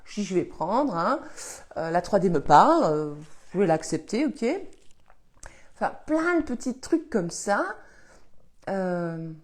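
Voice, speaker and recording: A Belgian woman in her fifties with a Belgian French accent and a slight cold hosts a live session, answering questions in a casual, chatty way. Her voice is fairly low, with big pitch swings, an unhurried pace and long pauses. She rambles through anecdotes and laughs as she tells them.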